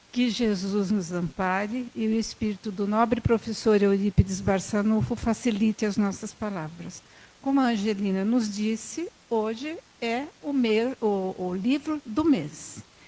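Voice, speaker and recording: Noticeable background noise sits behind a woman speaking at a fairly slow pace. Her pitch is fairly high, with ordinary variation. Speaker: spiritist lecturer. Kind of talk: lecture.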